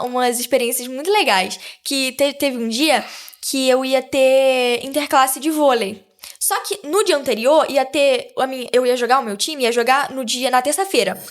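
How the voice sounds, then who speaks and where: A teenage girl speaking as a podcast guest, telling a lively story about her faith with frequent restarts. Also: high-pitched. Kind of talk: casual faith testimony.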